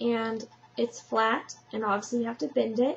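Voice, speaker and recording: Noticeable background noise behind a woman's fairly slow speech. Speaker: vlogger reviewing a product. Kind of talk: casual product review vlog.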